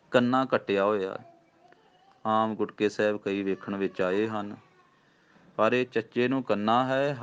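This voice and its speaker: A man teaches scripture recitation, slowly spelling out each syllable. His voice is low, smooth and resonant. The recording sounds dull and lo-fi. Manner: patient, slow spelled-out recitation. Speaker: Gurbani pronunciation teacher. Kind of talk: recitation lesson.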